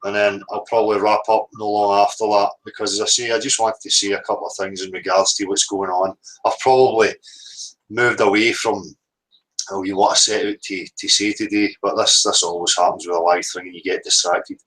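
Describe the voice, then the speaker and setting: Northern Irish man, slow musing host. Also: lowish voice, level tone, a bit bright, low-quality recording. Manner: rambling and reflective, with casual swearing. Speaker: live-stream host. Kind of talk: casual live-stream monologue.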